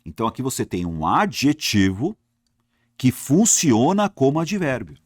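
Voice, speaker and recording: Lively and direct with his class, this grammar teacher prepares students for an exam, posing questions and answering them himself. His voice is medium-pitched at normal speed, recorded with studio quality and no room sound.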